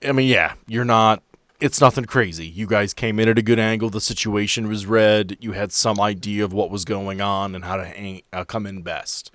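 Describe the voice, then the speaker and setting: A man's voice: fairly low pitch, steady tone, normal speed, a bit bright, no echo. A man acting as game master, casually improvising narration and rulings for a tabletop role-playing game. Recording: music playing behind the voice.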